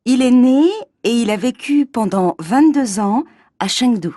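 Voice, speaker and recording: A woman from France performing everyday scenes in a scripted dialogue for learners, speaking clearly and expressively. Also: a little high, lively intonation, a little slow, mellow, dry recording, studio quality.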